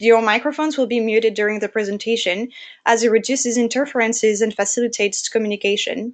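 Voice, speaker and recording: A woman speaks with a French accent at a fairly quick pace. Her pitch varies in an ordinary way against a quiet background. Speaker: webinar facilitator. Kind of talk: webinar introduction. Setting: online webinar. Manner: formal. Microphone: video call.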